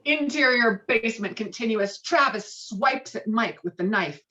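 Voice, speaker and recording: A woman reading screenplay stage directions with dramatic, expressive delivery over a video call. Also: a little high, measured pace, lo-fi sound. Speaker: stage directions reader at a table read.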